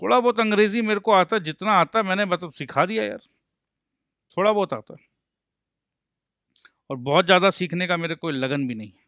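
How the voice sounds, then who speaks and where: A man with a high, bright voice gives a lively accountancy lecture, recorded dry and close. He jokes his way through each point and answers his own questions as if a student had asked them. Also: fairly quick, pauses often, no room sound. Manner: playful, mixes Hindi and English, jokes to explain. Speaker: accountancy teacher.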